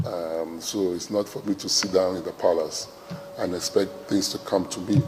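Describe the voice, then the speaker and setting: With an American accent, a man speaks at a very deep, low pitch and fairly even intonation. His pace is moderate, with noticeable background noise behind him. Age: 60s. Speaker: traditional ruler. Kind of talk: formal speech to hosts. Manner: hesitant with many fillers.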